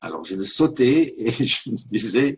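With an Arabic accent, this man talks at a medium pitch, his voice swinging very widely in pitch and slipping into vocal fry. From Syria. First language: Arabic (speaking French). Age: 70s. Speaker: author and lecturer. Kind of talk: lecture.

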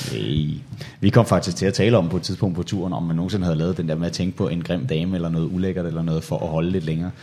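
Speaking at a very fast pace, a man has a very deep, low voice with a dark, mellow tone and ordinary pitch variation. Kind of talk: casual banter.

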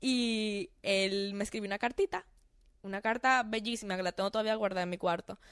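At a moderate pace, a woman talks in a fairly high voice. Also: dry, close sound with no echo. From Dominican Republic. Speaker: TikTok creator. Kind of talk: casual chat.

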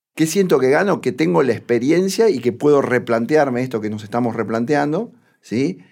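The voice is a plain, everyday voice at a moderate pace. Its intonation is lively. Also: man, medium pitch for a man. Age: 60s. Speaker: recent retiree. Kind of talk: interview testimony.

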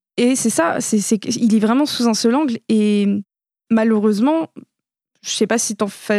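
Against a quiet background, a woman with a fairly high pitch and a dark, mellow tone is heard in a dry, close sound with no echo. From Paris suburbs (Nanterre, Hauts-de-Seine) and Lorraine. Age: 20s. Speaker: student and founder of a youth association. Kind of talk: interview.

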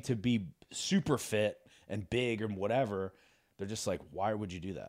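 Here a man with an American accent and a medium pitch uses a normal speaking voice at a moderate pace, in a very clean recording with a silent background. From Philadelphia, US East Coast. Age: 40s. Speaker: stand-up comedian. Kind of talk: casual chat.

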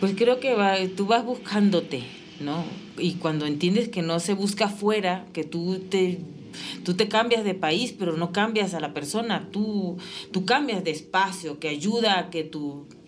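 A woman talks at a fairly slow pace with medium pitch and ordinary pitch variation. Audible room echo and noticeable background noise surround her voice. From Venezuela. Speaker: yoga teacher and studio founder. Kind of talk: casual interview.

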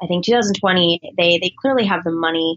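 A woman with an American accent has an ordinary speaking voice, a medium pitch, ordinary pitch variation and a moderate pace. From Buffalo, New York. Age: 30s. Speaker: political activist and show host. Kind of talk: podcast interview.

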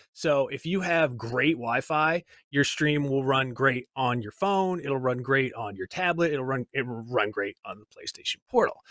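An ordinary speaking voice from a man at fairly high pitch, moderate pace, hardly any pauses and ordinary pitch variation, with a dry, close sound with no echo and a very clean recording with a silent background. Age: 40s. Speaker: game reviewer. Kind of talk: casual chat.

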